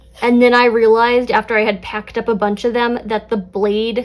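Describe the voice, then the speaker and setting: With an American accent, a woman speaks at a fairly high pitch with ordinary pitch variation. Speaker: planner YouTuber, sticker shop owner. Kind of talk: tutorial voiceover. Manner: fast; casual, filler-heavy.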